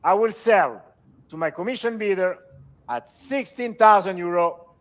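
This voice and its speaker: A man working as an auctioneer, calling bids in a repetitive, measured way and formally presenting each lot. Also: high voice. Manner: auctioneer delivery, repetitive, measured bid calls.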